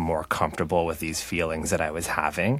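This man has an American accent and a very deep, low pitch. His intonation stays monotone and flat. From Georgia, US South (Norcross). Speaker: corporate employee group leader. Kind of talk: panel discussion. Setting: remote studio.

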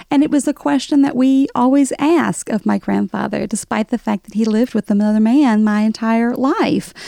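A woman with a Southern US accent speaks at a fairly high pitch with ordinary pitch variation. She leaves hardly any pauses. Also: moderate pace. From Alabama, US South. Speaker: author. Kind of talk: casual chat.

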